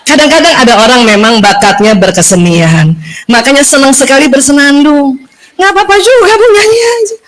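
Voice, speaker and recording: A woman giving a lively religious lecture to women, often asking her listeners questions. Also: sits high, a little fast, rough recording.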